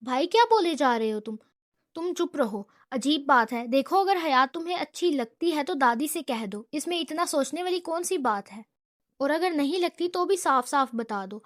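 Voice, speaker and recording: A man's voice: extremely high pitch, lively intonation, fairly bright tone, no room sound, studio quality. A woman reading as a bossy young man. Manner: brisk, ordering others about. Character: young man, bossy and protective of his friend.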